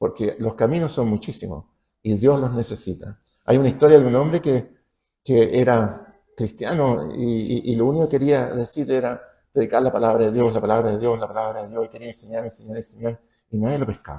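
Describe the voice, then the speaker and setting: The man's medium-pitched voice is somewhat breathy with a dark, mellow tone. He talks at a fairly quick pace with ordinary pitch variation. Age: 80s+. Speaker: preacher. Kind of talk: sermon.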